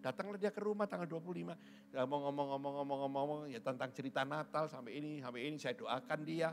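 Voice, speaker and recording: A man's voice: a little high, quick pace, a little hiss or hum. A middle-aged man preaching a sermon as a pastor, joking and teasing his congregation. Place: church hall. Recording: church hall with long reverb.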